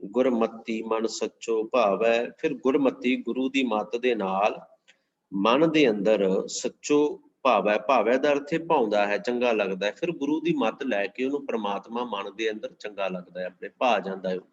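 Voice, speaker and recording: A man with a Punjabi accent teaching an online scripture class. He recites each verse slowly, then explains it line by line in plain conversational speech. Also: medium pitch. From Punjab, India. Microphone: computer mic during a screen-shared class. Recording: slightly dull lo-fi sound.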